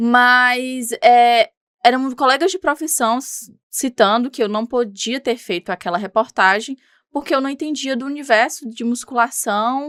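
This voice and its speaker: On a very clean recording with a silent background and a dry, close sound with no echo, a woman speaks at a fairly slow pace with a high pitch and ordinary pitch variation. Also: big swings in loudness. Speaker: newspaper reporter. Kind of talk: podcast interview.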